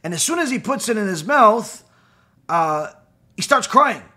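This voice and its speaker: A man gives a lecture in a high, bright, slightly husky voice. His pitch swings widely as he fires off rhetorical questions, and he often stops on "you know" and "uh". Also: sing-song, measured pace. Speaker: Torah teacher. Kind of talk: recorded lecture.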